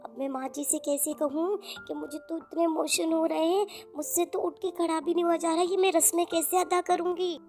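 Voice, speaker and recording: A woman's voice: very high-pitched, fairly even intonation, moderate pace, few pauses, warm tone. A woman voicing a whiny young cartoon bride. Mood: fretting. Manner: whiny, dramatic. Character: young newlywed bride, fussy, overfed and complaining. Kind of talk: Hindi cartoon voice acting. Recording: background music.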